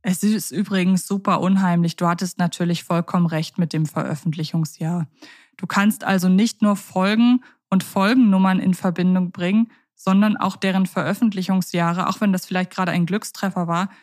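A woman's voice: on the low side, fairly even intonation, moderate pace, darkish tone. A woman co-hosting a podcast, chatting playfully in long winding sentences. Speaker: podcast co-host. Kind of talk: casual podcast chat.

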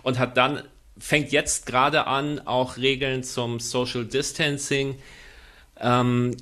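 A man chatting as a guest on a podcast, with a mid-range voice. He explains his points at length and often pauses on fillers or starts over mid-sentence. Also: medium pitch, little pitch movement, pushed and bright. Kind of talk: casual podcast conversation.

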